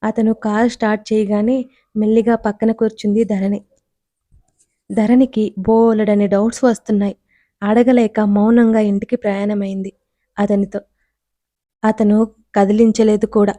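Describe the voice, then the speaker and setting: A woman storyteller reading a romance audiobook in a steady, scripted narration on a close mic. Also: mid-range voice, normal speed, pauses often, no room sound.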